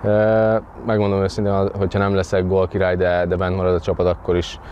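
A man's voice: deep voice, completely flat delivery, a little mellow, lo-fi sound, slight background noise. A man in his twenties, a footballer, giving hesitant interview answers with repeated words, close on a lapel mic. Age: 20s. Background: music.

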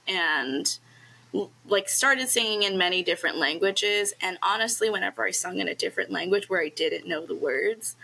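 A young woman whose first language is Cantonese, a speech language pathologist, answering interview questions over a video call with a headset, relaxed and full of ums. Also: fairly low pitch, creaky, rough recording. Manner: relaxed, frequent ums, laughs easily. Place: home room, indoors.

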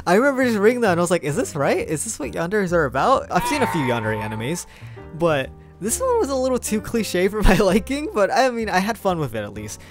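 This young male video creator, who also does amateur voice acting, speaks quickly in a high-sitting voice over music. He rambles through an informal storytime full of slang, chuckling and animated throughout.

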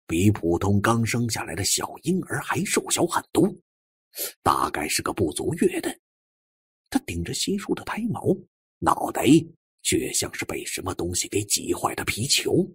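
Very husky, animated male storyteller. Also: mid-range voice, no echo, studio quality. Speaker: audiobook narrator. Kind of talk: dramatic storytelling of a suspense novel.

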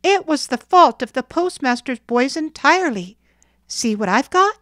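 Boastful young boy for storybook, read by a woman: higher voice, eager, cocky, animated delivery. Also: moderate pace, dry recording, studio quality. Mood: offended. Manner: lofty, eager, chatty.

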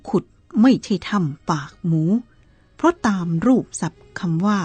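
A woman reading a Buddhist novel aloud in a calm, measured storytelling manner, with soft music behind her. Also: medium pitch, no room sound. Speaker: narrator.

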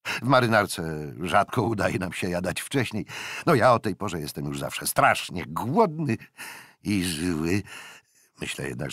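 A man's voice: sits low, creaky, fairly bright tone, breathy edge, no room sound, studio quality, voice pushed up, full character voice. A man voicing a hearty, frank young naval officer who banters cheerfully, in an audiobook. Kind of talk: audiobook character voice.

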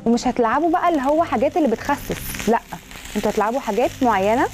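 Egyptian woman food blogger rattling off cooking tips super fast, kinda high mellow voice, faint music and sizzling pan behind. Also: expressive. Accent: Egyptian Arabic. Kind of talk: chatty cooking advice.

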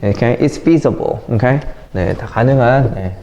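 A middle-aged man teaching English vocabulary in a lively classroom lecture, mixing English phrases into his explanations and talking to his students as kids. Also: mid-range voice, measured pace, lo-fi sound. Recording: echoey classroom with faint noise.

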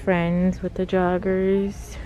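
A woman's voice: on the low side, monotone, slow, mellow, low-quality recording. A woman giving casual, chatty shop-with-me commentary, thinking aloud as a vlogger inside a store. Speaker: shopping vlogger. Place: inside a large retail clothing store. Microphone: handheld camera mic, speaker behind camera. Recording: faint background noise, store ambience.

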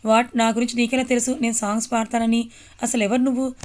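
A woman's voice: on the high side, little pitch movement, fast talker, lightly acted. A woman voicing a young housewife and mother who answers a stranger curtly and with irritation. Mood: irritated. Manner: curt, irritated.

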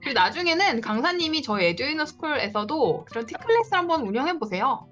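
A woman's voice: sits high, big pitch swings, fast, fairly bright tone. A woman in her thirties giving encouraging advice as a coach in a one-on-one online session. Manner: encouraging, advising. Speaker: coach for independent lecturers. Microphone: video call. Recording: dull lo-fi video call audio. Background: faint guitar music.

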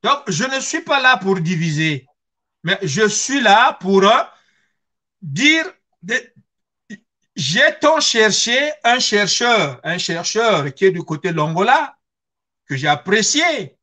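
A middle-aged man speaks with a Congolese accent in a high, forceful voice. He takes his time, setting out his testimony earnestly and with emphasis, often through rhetorical questions. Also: very animated, slow pace. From Congo-Brazzaville. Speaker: guest speaker. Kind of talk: personal testimony on history and identity. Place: small furnished room at home, video call.

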